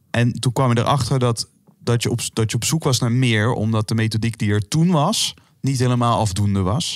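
Talking at a fairly quick pace with ordinary pitch variation, a man is heard in a dry sound with no echo against a quiet background. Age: 20s. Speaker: podcast host. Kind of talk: interview. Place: meeting room. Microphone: studio mic.

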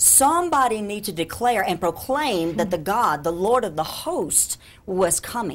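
A woman of medium pitch with a Southern US accent speaks at a moderate pace, her pitch swinging very widely over light background noise. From US South, Mississippi near Memphis. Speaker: minister and author; guest, minister. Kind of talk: TV talk show interview. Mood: earnest, animated. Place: studio.

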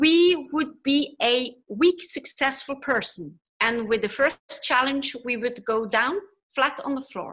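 Against a quiet background, a woman speaks at a very slow pace in a high pitch with ordinary pitch variation. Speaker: coach, podcast guest. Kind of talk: interview answer. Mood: reflective, emotional personal story. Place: home room. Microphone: webcam.

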